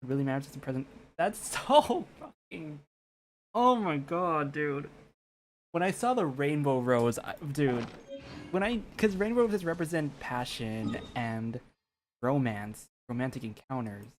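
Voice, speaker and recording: A woman's voice: low-pitched, lively intonation, a little slow, a little hiss or hum. A young woman giving casual, slangy, rambling commentary while playing a video game. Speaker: gaming streamer.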